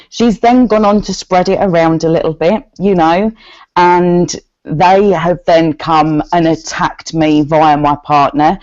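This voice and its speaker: A woman with a deep voice, sharing a candid personal testimony with a group and acting out the words of people in her story. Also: no echo, muffled recording. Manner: earnest, quotes others' words in lively bursts.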